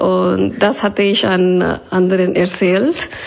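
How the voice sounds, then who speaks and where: A woman's medium-pitched voice with an Indian accent, over noticeable background noise. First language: Indian language (speaking German). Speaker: immigrant mother. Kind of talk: testimony. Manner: halting.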